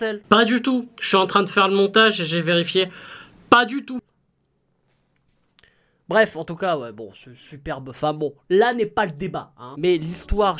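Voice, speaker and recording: A man giving casual, rambling reaction commentary to a music video as a YouTuber, full of slang and calling his viewers bro. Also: on the high side.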